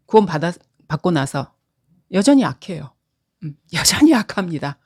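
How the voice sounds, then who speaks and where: Woman, middle-aged, Bible teacher, animated intonation, earnest, conversational, frequent fillers. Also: medium pitch. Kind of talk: Bible lesson.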